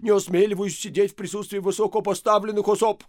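A man's voice: high-pitched, flat delivery, fast talker, a little mellow, no echo, studio quality, voice pushed up, natural voice. A man voicing a shabby bearded priest who begs and fawns in a pleading voice. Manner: pleading, fawning. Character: shabby bearded male priest, groveling, wheedling.

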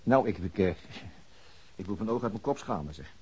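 An actor playing a hesitant, rueful middle-aged police chief inspector in a naturalistic radio drama, halting and stammering as he talks. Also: on the low side, expressive, mellow, husky, lo-fi sound. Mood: rueful, chatty.

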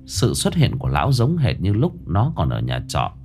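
A man's voice: sits low, wildly swooping pitch, moderate pace, creaky, darkish tone, faint music behind. A man narrating a horror story in a dramatic, ominous scripted reading.

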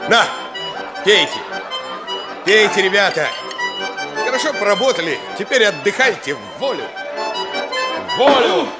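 An actor playing a boisterous, swaggering gang leader in a radio drama, loud, expansive and mocking. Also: male voice, sits high, sing-song, a little slow, pauses often. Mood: expansive revelling. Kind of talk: Russian radio drama acting. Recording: music and revelling crowd behind.

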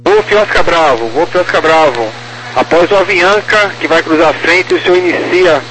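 Higher-voiced male controller over noisy radio. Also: moderate pace, fairly bright tone. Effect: two-way radio. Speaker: air traffic controller. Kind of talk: police-radio-like procedural air traffic instructions. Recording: slightly noisy aviation radio transmission.

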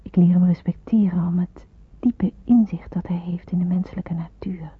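An actress playing an earnest, devout young Jewish woman in hiding, speaking her reflections slowly in a hushed, breathy radio-drama monologue. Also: fairly low pitch, steady tone. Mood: wondering, fervent. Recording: muffled roomy phone-like old radio recording.

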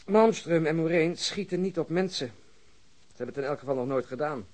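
An actor playing a matter-of-fact police detective who explains a case drily in a Dutch radio crime drama. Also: male voice, on the high side, brisk, a little mellow, close to an everyday voice.

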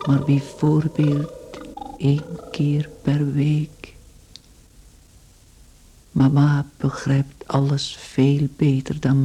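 A man's voice: mid-range voice, mellow, slight background noise. An actor playing a lonely, childlike son turned into a beetle, speaking his subdued, wistful thoughts in a radio play. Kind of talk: radio play inner monologue.

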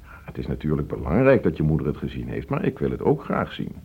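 Divorced father: low, rough-edged voice, reproachful and emotional radio-play delivery, muffled sound. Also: big pitch swings, full character voice. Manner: reproachful, emotional, halting when upset. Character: frustrated divorced father pleading with his teenage son. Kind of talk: Dutch radio play acting. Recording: dull, muffled old radio play recording.

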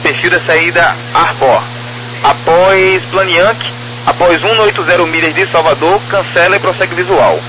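A man with a Brazilian accent working as an air traffic controller, giving clipped, procedural clearances over aviation radio. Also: high-pitched, normal speed. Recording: noisy humming airband radio transmission.

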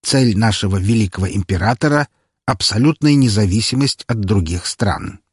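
A man's voice: on the low side, moderate pace, breathy edge, dry recording, studio quality. A man reading as a ceremonious old chancellor. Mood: formal. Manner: ceremonious, formal, calm. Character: elderly courteous Chinese male chancellor.

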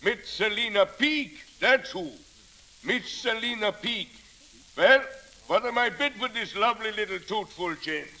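A man's voice: very high voice, animated, measured pace, noisy background, heavily acted. A man playing a jovial country auctioneer in an old radio drama, calling bids with chuckling showman patter. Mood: hearty.

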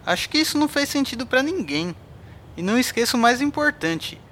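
A concerned Brazilian crewman with a high, sharp voice, played by a male actor. He is hopeful and insistent in lively swings of pitch, in a sci-fi radio drama. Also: brisk, a little hiss or hum, full character voice. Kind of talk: audio drama acting.

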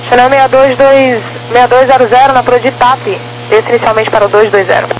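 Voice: medium pitch, steady tone, fast talker. An air traffic controller giving terse, procedural instructions in clipped aviation phraseology over a radio transmission. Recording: noisy, humming aviation radio.

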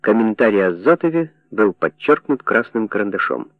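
Мужчина читает аудиокнигу ровно и сдержанно. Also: male voice, on the low side, sing-song, normal speed, dry recording. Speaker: audiobook narrator. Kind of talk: scripted narration. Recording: dry narrow phone-like sound.

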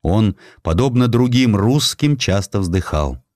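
A man with a deep voice narrates a historical sketch. His intonation moves widely, giving the scripted storytelling a dramatic, expressive shape. The sound is very dry, with hardly any room around it. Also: unhurried, no echo. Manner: expressive storytelling, voicing quotations. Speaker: audiobook narrator.

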